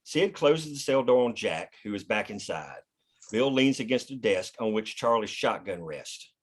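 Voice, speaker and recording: A man's voice: on the low side, animated, moderate pace. A man reading scripted stage directions plainly in the present tense, as narrator at a table read.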